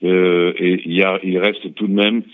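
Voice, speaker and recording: A man, a former intelligence officer, giving a measured analysis over a phone line in a radio interview, pausing often with hesitant fillers. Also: sits low, little pitch movement. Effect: heard over a phone line.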